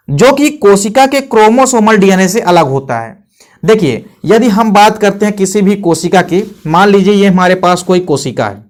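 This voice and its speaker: High-voiced teacher quizzing himself. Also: male voice. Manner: repeats points, asks and answers own questions. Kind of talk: board lesson.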